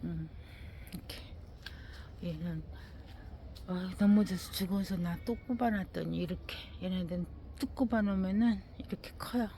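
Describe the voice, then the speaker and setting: Woman showing off her indoor plants, low mellow gravelly voice, talks to them as she goes, faint hiss behind. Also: normal speed, long pauses. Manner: talks to plants and scolds her dog, frequent sighing exclamations. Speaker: gardening vlogger. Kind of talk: casual commentary touring her plants. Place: indoor winter garden.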